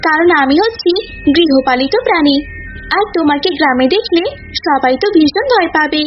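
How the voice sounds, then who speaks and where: A woman's voice: sits high, muffled recording, close to an everyday voice. A woman voicing a clever, unafraid young cow in a cartoon folk tale, coaxing and politely reasoning. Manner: coaxing, reasoning, addresses listener as uncle.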